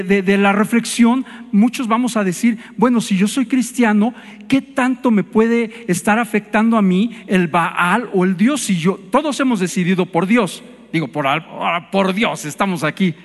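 A man preaches to his congregation, talking to them as in conversation and putting questions to them. His voice sits high for a man. A long reverb from the hall trails after his words. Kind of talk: sermon.

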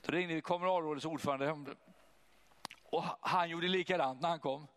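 A man preaching, telling a personal testimony in an animated way and acting out what others said. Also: a little high. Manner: animated, acts out voices of others. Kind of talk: testimony storytelling.

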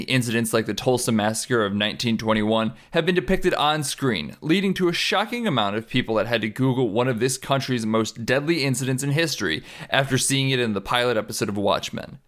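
Man, scripted essay narration, medium pitch, widely varied intonation. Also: a bit bright. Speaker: narrator reading an article.

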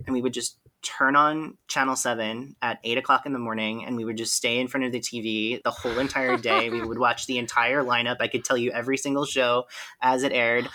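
A man with a bright, forceful voice, talking candidly and articulately as a podcast guest. He tells his stories in an animated way and often breaks into laughter. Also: medium pitch. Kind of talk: candid conversational storytelling.

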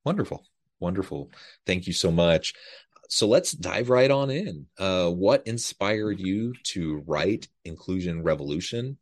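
A man's voice: sits low, animated, unhurried. A man hosting a podcast interview, reading the guest's bio formally and with enthusiasm. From United States. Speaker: podcast host. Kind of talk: podcast interview with scripted intro.

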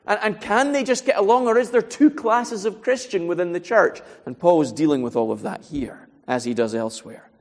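Guy preaching, slightly high voice, earnest, lots of rhetorical questions, hall echo trailing. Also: a little fast. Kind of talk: sermon.

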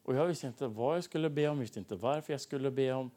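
A man preaching and telling testimony stories in a lively way, acting out the dialogue of the people in them. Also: medium pitch. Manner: animated, acts out dialogue in stories. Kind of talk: sermon testimony storytelling.

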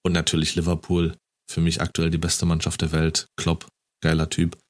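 Deep-voiced man, casual co-host, keen football fan. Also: moderate pace. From Germany. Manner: enthusiastic, animated retelling.

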